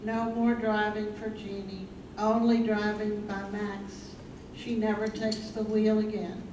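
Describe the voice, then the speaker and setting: A woman performing as a measured, sombre narrator in a staged reading. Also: medium pitch, little pitch movement, lightly acted. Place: live staged reading in an echoey room. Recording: roomy, distant, noisy stage recording.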